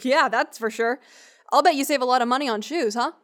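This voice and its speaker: A woman's voice: sits high, a little fast, fairly bright tone. An actress playing an awkward, sarcastic scientist in an audio drama, rambling and hesitant as she talks and narrates. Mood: awkward, flustered. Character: awkward, wry, sweary young woman scientist and cryptozoologist. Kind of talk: naturalistic audio drama acting with first-person narration.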